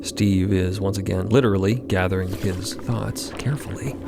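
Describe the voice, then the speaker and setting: A man narrating an audio drama in a deliberate, suspenseful scripted style. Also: low voice, steady tone, gravelly, over music.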